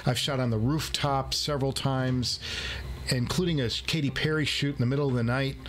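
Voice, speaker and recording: Excitable, jokey man, lower-pitched voice. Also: normal speed, a little hiss or hum. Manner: excitable, jokey, repeats phrases for emphasis. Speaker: host of a headphone review show. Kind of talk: casual unboxing vlog talk to viewers.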